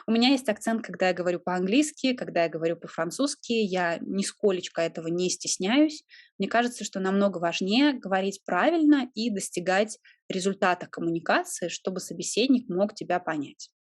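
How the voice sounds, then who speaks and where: A young woman talks through her ideas on teaching, steady and explanatory, filling pauses with soft hesitations. Her voice sits at an ordinary middle pitch. The recording is dry and close, with no room sound. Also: no echo. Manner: thoughtful, explanatory, with frequent hesitations. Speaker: guest, Russian teacher. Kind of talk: conversational interview.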